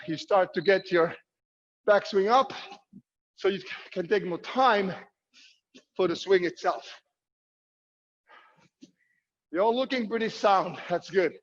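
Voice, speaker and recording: High-voiced male coach in an echoey hall. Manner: short called-out commands with encouragement. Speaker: squash fitness coach leading a workout. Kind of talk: instructional workout coaching, calling out drills. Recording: muffled, echoey hall sound.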